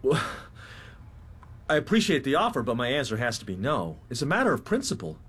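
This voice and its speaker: A man's voice: medium pitch, huge pitch swings, fairly quick, fairly bright tone, slightly rough, full character voice. A man in his twenties playing an earnest young student who refuses an offer politely but firmly. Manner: polite, firm, principled.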